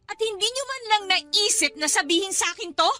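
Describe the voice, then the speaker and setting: A woman's voice: very high voice, expressive, brisk, bright, forceful tone, full character voice. An actress playing a distressed, reproachful young daughter in a radio drama, questioning her mother with open emotion. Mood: confronting.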